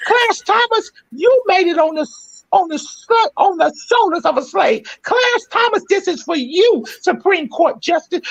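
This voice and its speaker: A woman's voice: very high voice, gravelly. A woman speaking on a podcast panel in a fervent, preaching manner, emphatic and at times close to tears. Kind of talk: impassioned panel discussion. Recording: dull dry lo-fi audio.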